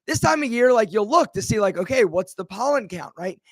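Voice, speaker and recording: An upbeat man hosts a live stream in a fairly high register, talking close to the mic in a dry, dead room. His voice is a little rough from allergies, and he rambles cheerfully between greetings and side stories. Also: a little fast, no room sound. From Philadelphia. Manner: energetic, chatty, greets viewers by name. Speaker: livestream host. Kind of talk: casual live Q&A chat.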